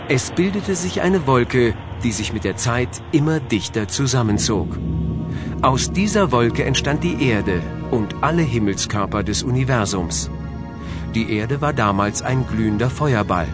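Calm male narrator over music. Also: mid-range voice. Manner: calm, explanatory. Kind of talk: scripted educational narration.

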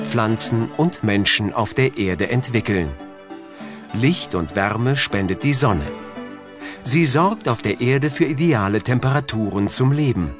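A man giving calm, scripted educational narration for children. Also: medium pitch. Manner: calm, explanatory. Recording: narration over background music.

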